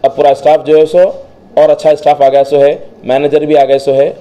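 Shop owner at a press event, very dark and mellow voice, measured promotional delivery into a bank of microphones. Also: male voice, on the high side, little pitch movement, muffled recording. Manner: promotional, listing services and phone numbers. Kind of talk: press statement. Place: crowded shop indoors. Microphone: cluster of press microphones on table.

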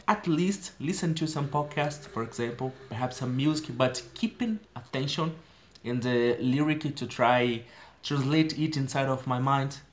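Brazilian guy in his 30s vlogging on his phone, chatty, lots of "you know", small room. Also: mid-range voice. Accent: Brazilian Portuguese. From São Paulo, Brazil. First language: Portuguese. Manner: chatty and expressive, gestures a lot, many "you know" fillers. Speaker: language learner vlogger. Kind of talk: casual spoken video diary. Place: small indoor room with a plain wall. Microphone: phone camera at arm's length.

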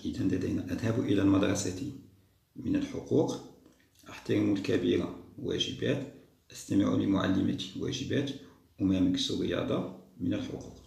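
A man patiently walking young schoolchildren through a test, repeating each answer slowly. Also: deep voice, steady tone, gravelly, a little mellow, reverberant. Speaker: teacher solving a school test. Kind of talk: step-by-step lesson for young children.

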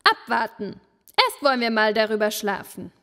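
A woman's voice: fairly high pitch, very animated, normal speed, pushed and bright. Bossy greedy fisherman's wife. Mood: smug. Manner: bossy and insistent. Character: greedy, demanding fisherman's wife, never satisfied. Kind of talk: German radio play acting.

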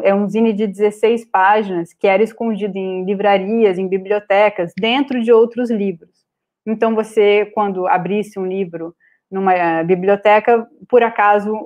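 A woman with a Brazilian Portuguese accent giving an online lecture over slides, pausing often with fillers and restarts. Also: medium pitch, darkish tone. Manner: hesitant, many filler "é" and restarts. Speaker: guest speaker on art publishing. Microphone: video call webcam.

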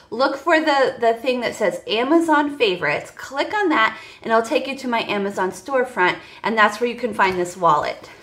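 A woman's voice: a little high, fairly bright tone, roomy sound. A woman in her forties, chatting casually to viewers about her budget while counting cash at a table. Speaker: budgeting vlogger. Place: indoors at a table. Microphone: voice heard over top-down table camera, hands only.

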